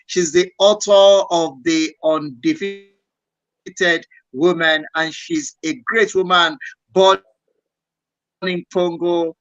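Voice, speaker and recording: A male radio host with a South African accent and a bright, forceful voice sits close to a dry microphone. He talks with effusive enthusiasm and often repeats words as he praises his guest. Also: on the high side, steady tone, slow pace, no echo, lo-fi sound. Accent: South African English. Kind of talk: live radio interview.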